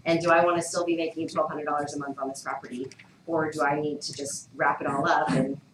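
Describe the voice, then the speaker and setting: A woman's voice: deep voice, fast talker. A woman in a training meeting, telling a client's story and reasoning aloud about it. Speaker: trainee agent. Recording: echoey room, mic far off, steady hum.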